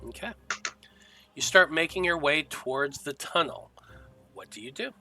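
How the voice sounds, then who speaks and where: A man narrating a tabletop game as game master, describing scenes in a halting, measured way. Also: on the high side, animated, pushed and bright, soft background music.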